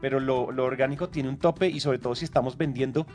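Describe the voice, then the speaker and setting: A man co-hosting a business podcast, talking in a relaxed conversational way. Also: medium pitch, fast, faint music behind. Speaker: podcast co-host. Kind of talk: casual podcast chat.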